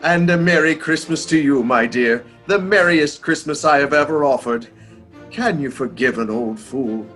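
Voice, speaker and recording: A man's voice: fairly high pitch, normal speed, a bit bright, faint music behind, close to an everyday voice. Man playing a jubilant reformed old miser. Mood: joyful, humble. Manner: exclamatory, chuckling, repeats himself for emphasis. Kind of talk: theatrical radio play acting.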